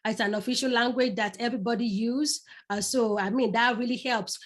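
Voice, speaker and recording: A middle-aged woman from Nigeria with a Yoruba accent leads a public speaking masterclass, talking straight to her audience. Her voice sits high, and she stresses her points by repeating words several times over. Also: steady tone, brisk. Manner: repeats words for emphasis, addresses the audience directly. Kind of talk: live online masterclass.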